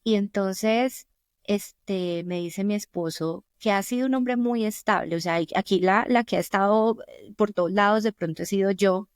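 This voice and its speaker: A woman's voice: medium pitch, normal speed, dry recording, clean studio sound. A middle-aged woman from Colombia with a Colombian accent, a podcast guest telling earnest personal stories in conversation. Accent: Colombian Spanish. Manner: earnest, anecdotal storytelling. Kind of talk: conversational interview.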